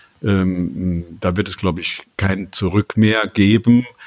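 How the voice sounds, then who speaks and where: This man talks at a very slow pace. His pitch sits fairly low. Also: dry, close sound with no echo. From Saarland, Germany (Neunkirchen). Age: 60s. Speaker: government IT manager. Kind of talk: casual chat. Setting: remote call, audio only.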